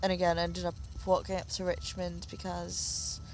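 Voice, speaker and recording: Someone with an American accent talks at a fairly quick pace against noticeable background noise. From North Wales. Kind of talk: casual vlog talk to camera. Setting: outdoors, windy. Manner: quieter than usual.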